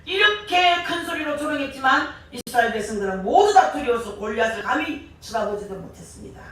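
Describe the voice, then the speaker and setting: Impassioned high-voiced woman preaching in echoey hall. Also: lively intonation, fairly quick. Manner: impassioned, rising to shouts on key words. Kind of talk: sermon. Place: church sanctuary. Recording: echoey church hall, far from mic.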